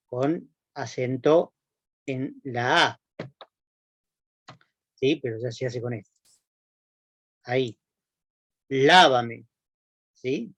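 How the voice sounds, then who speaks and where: A man's voice: mid-range voice, a bit bright, no room sound, lo-fi sound. A man with a Rioplatense accent giving a recorded university class, explaining step by step and often checking in with his students. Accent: Rioplatense Spanish. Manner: explanatory, frequent checking tags "¿no?" and "¿sí?". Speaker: university lecturer.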